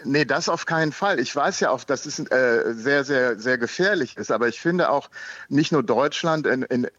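A man's voice: mid-range voice, normal speed, a bit bright, no room sound. Agitated man on a dull line. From Germany. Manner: agitated, hesitant, repeats words. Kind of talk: heated call-in debate.

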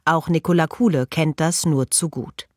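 Documentary narrator, measured scripted read, dry close studio sound. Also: mid-range voice, no echo. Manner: measured, even delivery.

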